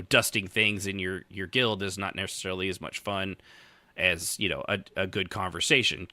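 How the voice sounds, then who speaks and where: Guy hosting a podcast, lowish voice, really sharp and forward, dry close sound, rambles a lot. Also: no echo. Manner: rambling, circling back over phrases. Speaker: podcast host. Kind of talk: casual podcast chat.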